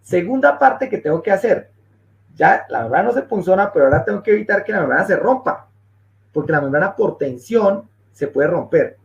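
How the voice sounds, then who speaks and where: A man's voice: high-pitched, animated, fairly quick, gravelly. A male engineering instructor giving a technical webinar lecture, explaining step by step and checking in often with his listeners. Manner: explanatory, checks in with frequent "¿listo?". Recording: muffled lo-fi webinar audio.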